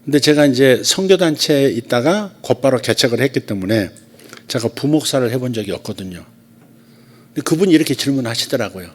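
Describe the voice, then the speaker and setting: A pastor delivers a conversational sermon during a church service, telling stories as his voice swings between loud and soft. His pitch is medium.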